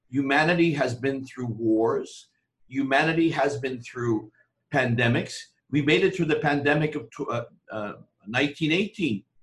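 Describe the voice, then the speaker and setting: Somewhat breathy and fairly high-pitched, a man speaks at a fairly slow pace with ordinary pitch variation and long, frequent pauses. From Cuba. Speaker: psychiatrist. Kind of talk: podcast interview.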